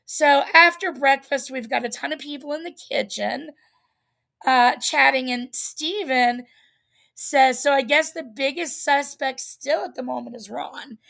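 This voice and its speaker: A woman with a high voice and a bit of gravel in it, talking slowly. She chats through a show recap, rambling, full of "um" and "you know," and laughing at herself. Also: a bit bright. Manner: chatty, rambling, laughs at herself, many fillers. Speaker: livestream host recapping a reality show. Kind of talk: casual solo recap.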